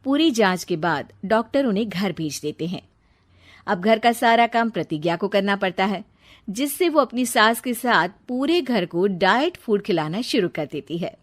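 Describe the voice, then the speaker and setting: A woman narrating a cartoon story in a steady, even storytelling manner. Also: medium pitch, moderate pace.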